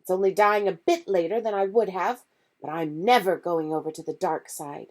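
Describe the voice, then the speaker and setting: A woman's voice: lowish voice, normal speed, voice pushed up, close to an everyday voice. A woman reading aloud voices a determined young teenage boy who speaks with urgent, impassioned force. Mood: defiant. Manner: urgent, impassioned, rising to shouting.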